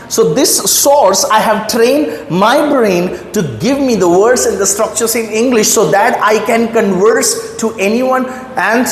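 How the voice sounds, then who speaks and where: A man's voice: high voice, a little hiss or hum. A man with an Indian accent giving an emphatic motivational English lesson, often checking whether the listener follows. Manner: emphatic, asks the listener rhetorical questions. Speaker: English teacher. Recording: echoey room with long reverb, faint ambience.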